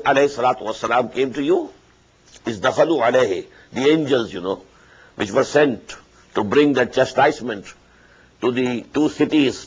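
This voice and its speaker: A man in his seventies with a South Asian accent and a husky, aged voice, explaining scripture verse by verse as an Islamic scholar, phrase by phrase with emphatic pauses. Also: mid-range voice, poor audio. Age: 70s. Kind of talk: verse-by-verse scripture commentary alternating recitation with translation. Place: indoors at a desk before curtains, recorded lecture.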